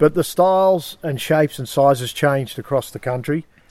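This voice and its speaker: The speaker is a man with an Australian accent. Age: 40s. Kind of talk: casual interview. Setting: outdoors by a river.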